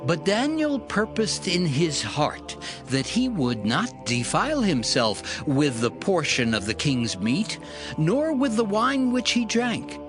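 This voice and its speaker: A man narrating dramatized scripture in a solemn, measured, formal manner. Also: a little high, big pitch swings. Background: background music.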